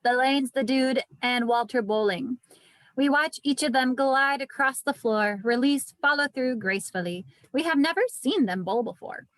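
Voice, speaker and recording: A woman's voice: high-pitched, moderate pace, no room sound, rough recording. A woman narrator reading stage directions from a film script in an online table read. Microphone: video call.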